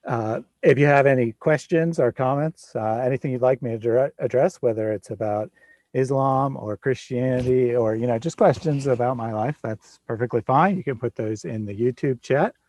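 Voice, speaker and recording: A man of forty hosts a casual livestream in an easy, chatty way and laughs now and then. His voice sits at an ordinary middle pitch. The sound is dry and close, with no room around it. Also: moderate pace, no echo. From Midwest United States. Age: 40s. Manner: relaxed, chatty, laughs often. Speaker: livestream host.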